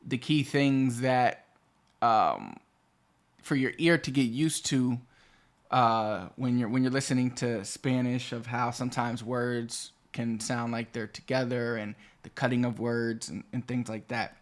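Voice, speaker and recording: Man teaching spanish to camera, chatty, wanders off topic, mid pitch. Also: steady tone, measured pace. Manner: chatty, digressive, restarts phrases. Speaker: Spanish teacher and channel host. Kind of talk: explaining a language lesson to camera.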